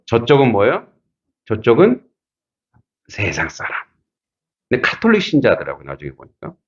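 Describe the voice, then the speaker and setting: A middle-aged man preaching as a pastor, telling a personal story with lively acted-out quotes and frequent laughter. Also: medium pitch, moderate pace, slightly rough, muffled recording. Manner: animated, acts out quotes, laughs often. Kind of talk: sermon with storytelling.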